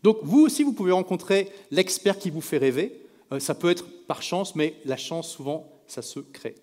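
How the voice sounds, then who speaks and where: A man's voice: high-pitched, normal speed. Frenchman telling stories in an echoey hall. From France. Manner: lively anecdotes, acting out the people he quotes. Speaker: speaker at a live event. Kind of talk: storytelling talk to a live audience. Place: stage in a large event hall.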